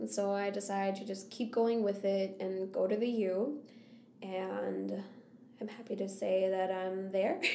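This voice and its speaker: A woman with an Upper Midwest accent speaks at a fairly slow pace. Her tone is dark and mellow, and her intonation fairly even. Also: medium pitch for a woman. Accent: Upper Midwest American. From Minnesota. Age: 20s. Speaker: artist and arts educator. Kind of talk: casual chat.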